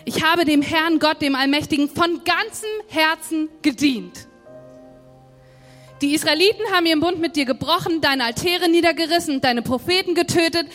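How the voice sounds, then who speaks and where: A woman's voice: high voice, normal speed, a bit bright. A woman doing a weary, abandoned prophet. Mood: aggrieved. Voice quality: pleading, emotional. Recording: long hall reverb, faint music.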